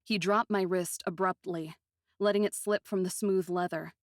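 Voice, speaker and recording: A woman narrating a first-person fantasy story in an expressive, literary manner with deliberate phrasing. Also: fairly low pitch, no room sound, studio quality.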